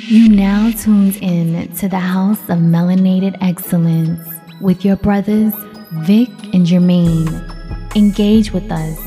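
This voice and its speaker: A woman announces a podcast segment in a slow, even voice-over. Her tone is very dark and mellow, and a faint music bed runs under her. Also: medium pitch. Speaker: show announcer. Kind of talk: scripted promo voice-over.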